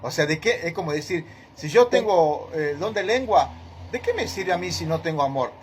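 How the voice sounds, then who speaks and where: Male Bible study leader, emphatic and questioning, pitched a bit high, faint background hiss. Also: expressive, moderate pace. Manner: questioning, emphatic, addresses group directly.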